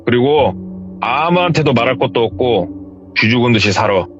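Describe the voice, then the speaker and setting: A man's voice: medium pitch, lively intonation, moderate pace, over music, natural voice. A man voicing a stern middle-aged woman who commands like a general, slightly muffled.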